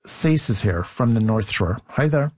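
A man hosting a radio call-in show, moving briskly between callers. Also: lowish voice, lively intonation, a little mellow, slight background noise. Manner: brisk, reads numbers out. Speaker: radio host.

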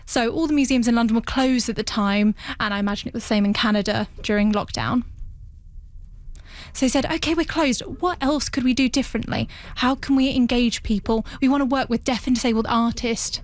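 A woman voicing a guest's answers as a sign language interpreter in a radio studio, measured and pausing. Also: fairly high pitch. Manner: measured, with pauses and restarts.

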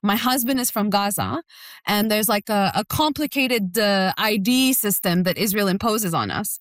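A woman's voice: mid-range voice, expressive, normal speed, no echo, studio quality. A woman in her thirties from Jerusalem, speaking earnestly and urgently as an interview guest, with frequent fillers. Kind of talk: remote news interview.

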